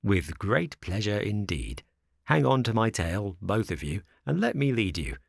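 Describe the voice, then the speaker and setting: A man's voice: on the low side, big pitch swings, measured pace, vocal fry, no room sound, clean studio sound, exaggerated voice. A man voicing a kindly, obliging big tuna fish in a storybook, hearty and reassuring.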